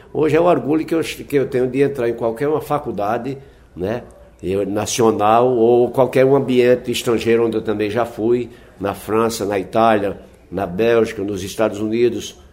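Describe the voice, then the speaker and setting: A man's voice: lowish voice, darkish tone. A man, a folk singer-poet, speaking in a reflective interview and explaining things patiently with frequent tag questions.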